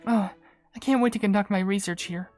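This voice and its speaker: A man's voice: sits high, fairly quick, darkish tone, dry recording, soft background music, natural voice. A man voicing a gracious, earnest female cookie perfumer from a video game, with polite, formal phrasing. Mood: amazed, delighted. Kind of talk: video game cutscene character voice.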